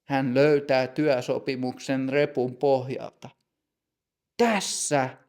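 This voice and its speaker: Male narrator for a learner story; measured, gravelly, a little high. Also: steady tone, darkish tone. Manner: clear, measured. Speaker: narrator and language teacher.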